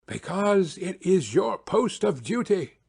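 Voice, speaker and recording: A man's voice: high voice, big pitch swings, slow pace, creaky, darkish tone, breathy edge, pitched above the performer's own voice, exaggerated voice. A man playing a confident, eager male detective in an audiobook, with commanding, precise phrasing. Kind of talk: audiobook character acting.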